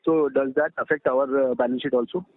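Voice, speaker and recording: Over a phone line, a man with an Indian accent and a steady, mid-range voice asks questions as an investor on an earnings call, sounding polite and halting.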